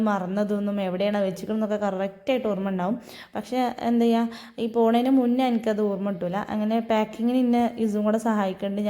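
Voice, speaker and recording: A woman's voice: medium pitch, warm tone. A young woman, telling her day in a chatty, storytelling vlog voice-over. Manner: chatty, storytelling, frequent tag "ട്ടോ". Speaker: vlogger.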